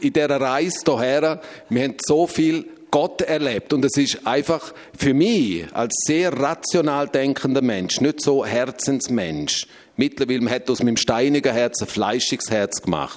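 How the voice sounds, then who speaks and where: With very even loudness and ordinary pitch variation, a man uses an ordinary speaking voice, fairly high in pitch, at a fairly slow pace. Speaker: former addict giving testimony. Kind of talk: testimony. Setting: stage with audience.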